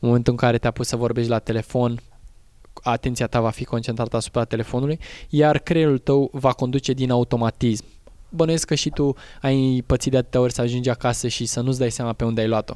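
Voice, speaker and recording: A man talks at a very fast pace in a medium pitch with a dark, mellow tone and fairly even intonation, the sound dry and close with no echo on a very clean recording with a silent background. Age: 20s. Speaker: racing driver. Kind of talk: casual interview. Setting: outdoors on a terrace.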